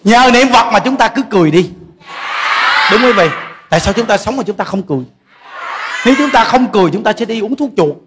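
Man, Buddhist monk, Southern Vietnamese accent, high voice, jokey sermon, laughs often, noisy recording. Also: expressive, fairly quick, pauses often, crowd noise. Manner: jokey, laughing, addresses audience directly. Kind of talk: humorous dharma talk.

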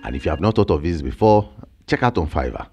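A man in his thirties with a Nigerian accent, explaining online work ideas in an energetic, emphatic way, recorded close on a studio mic in a small home studio. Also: sits low, fast talker, soft background music. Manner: animated, emphatic, gestures with hands. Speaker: online income creator. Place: small home studio with shelves and plants, indoors. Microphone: large studio mic on a boom, close.

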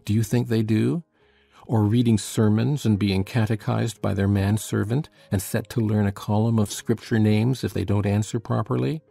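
A man playing a rebellious, scornful orphan boy telling his tale in a dramatized audiobook, with a husky voice. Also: fairly low pitch, fairly even intonation, normal speed, dark tone, faint music behind. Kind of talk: dramatized audiobook character reading.

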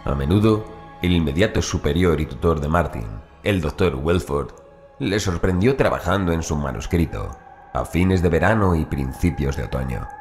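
Horror audiobook narrator: man with a very deep voice, formal measured delivery, over music. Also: darkish tone. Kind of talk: scripted horror story narration.

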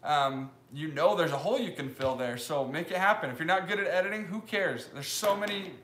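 A man's voice: on the high side, fairly quick, a bit bright, slight background noise. A young man live-streaming from his leather workshop, chatting casually in a loose, rambling way with lots of fillers. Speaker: live-streaming maker vlogger. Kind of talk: casual live stream chat, reading comments. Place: wooden-walled leather workshop, indoors. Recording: roomy workshop echo.

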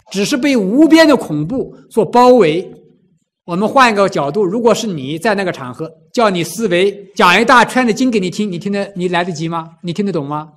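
Preaching a Buddhist sermon, a man with a high, lively voice swoops up and down through his range. He fires rhetorical questions at his listeners and acts out people crying out in pain.

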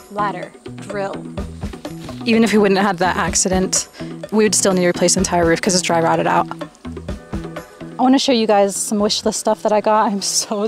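A young woman talking casually and self-mockingly to her viewers while working on a camper, outdoors and inside it, into a clip-on mic. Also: medium pitch. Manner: chatty, self-mocking, laughs often. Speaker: vlogger. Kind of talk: casual DIY vlog. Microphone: clip-on mic held to the mouth.

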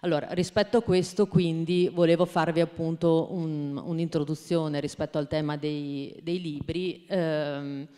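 A woman's voice: low voice, fairly even intonation, unhurried, hardly any pauses, dark tone. Woman guest speaker at a university talk, hesitant delivery, long reverb. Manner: hesitant, many fillers and restarts. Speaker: guest speaker, children's book trainer. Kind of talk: university talk with a read-aloud.

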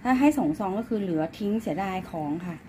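A woman's voice: medium pitch, lively intonation, fast talker, noisy background. Chatty woman cooing to her pets. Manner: chatty, coos and baby-talks to her pets. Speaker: pet-owner vlogger. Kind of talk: casual chat filming her pets. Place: at home with her animals.

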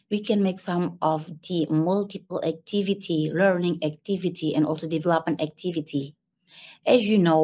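A young woman presents to an online conference from a small room, her voice sitting slightly low. She moves through her points haltingly, repeating words and restarting phrases as she goes. The sound comes through a plain webcam mic. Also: dark tone. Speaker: conference speaker, HR manager. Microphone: webcam on a video call.

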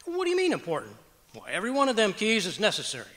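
A man's voice: sits high, wildly swooping pitch, very fast, fairly bright tone, exaggerated voice. Man playing folksy, blustering husband, swooping delivery. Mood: indignant. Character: blustery, stubborn husband who hoards junk. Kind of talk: old-time radio comedy acting. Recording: echoey auditorium stage.

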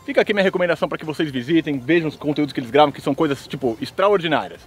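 High-pitched Brazilian man, fast vlog host. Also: animated, slightly rough, faint music behind. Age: young adult. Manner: informal, slangy. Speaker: video host. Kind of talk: casual vlog chat to camera and friends. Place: outdoors by a car on open dirt ground.

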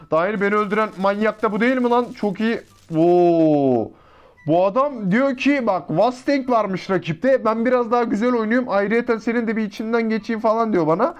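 A man with a high-pitched voice gives running live commentary over a mobile shooter match. He is excitable and slangy and keeps talking both to his teammates and to the people watching. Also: highs cut off. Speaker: mobile shooter gameplay YouTuber.

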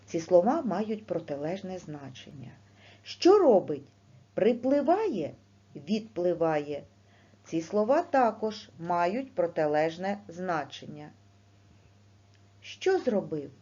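A woman teaching a primary school lesson, speaking slowly and clearly with questions to the class. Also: lowish voice. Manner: slow, clear teacher's delivery with lively rising questions. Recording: dull lo-fi recording.

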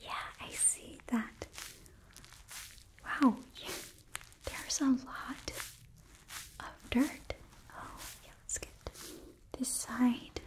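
A young woman playing a sweet, earnest hotel hostess from Hell in a whispered ASMR roleplay, gently coaxing and a little hesitant, close to the microphone. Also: on the high side, steady tone, drawn-out words, pauses often, poor audio. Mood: gentle, reassuring. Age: young adult. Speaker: ASMR performer.

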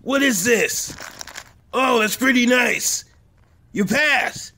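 A demanding young cartoon bully, put on by a man, speaks in a very high, bright voice with some creak. He is picky and dismissive, as in a comic dub. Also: takes it slowly, full character voice. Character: picky, bossy cartoon schoolboy bully judging gifts.

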